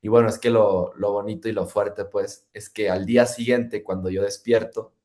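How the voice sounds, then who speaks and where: A man's voice: on the low side, moderate pace. Young man telling a story. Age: young adult. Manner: lively retelling, acts out dialogue, frequent fillers. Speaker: testimony speaker. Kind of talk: personal testimony storytelling.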